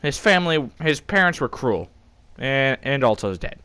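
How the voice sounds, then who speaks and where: A man works as an informal storyteller, narrating comedy in the first person. His pitch sits in the middle for a male voice. The recording is dry, with little room sound. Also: very animated, moderate pace, pushed and bright, smooth, no room sound.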